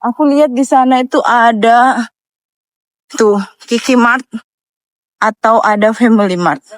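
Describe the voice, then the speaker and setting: A woman's voice: fairly high pitch, unhurried, no room sound. A woman chatting casually to her viewers as she vlogs on the move. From Indonesia. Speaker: vlogger. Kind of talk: casual vlog chat to viewers. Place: walking around a busy outdoor amusement area and nearby shop.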